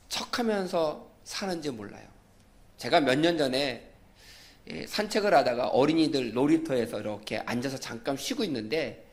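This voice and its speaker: High-voiced man preaching a sermon. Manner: lively storytelling, acting out the people in his stories. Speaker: pastor.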